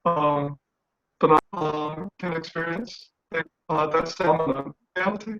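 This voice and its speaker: Man, slow, hesitant caller with a breaking-up video-call line, muffled and lo-fi. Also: fairly high pitch, a bit bright. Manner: hesitant, many pauses and restarts. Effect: glitchy call audio breaking up and wavering. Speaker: discussion group participant. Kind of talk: halting casual question on a video call. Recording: dull lo-fi breaking-up call audio.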